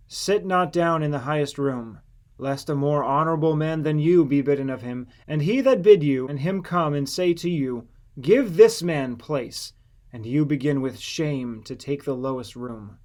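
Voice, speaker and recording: A man's voice: a little high, moderate pace, darkish tone, close to an everyday voice. A man reading the part of a firm, authoritative male preacher in a scripture audiobook, in a solemn, declamatory manner. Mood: solemn, instructing.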